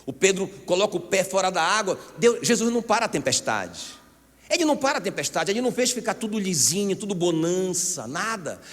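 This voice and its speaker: A Brazilian man preaching a sermon as pastor, animated and often calling out to the congregation. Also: sits high, brisk. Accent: Brazilian Portuguese. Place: church hall. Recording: long church hall reverb.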